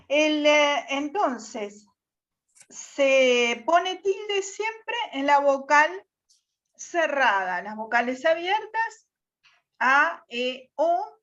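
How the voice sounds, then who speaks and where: A woman teacher explaining spelling rules to her class, often checking in with a quick "tá?". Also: high-pitched, fairly bright tone, lo-fi sound. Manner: checks understanding with frequent "¿tá?". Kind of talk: classroom lesson on Spanish accent rules.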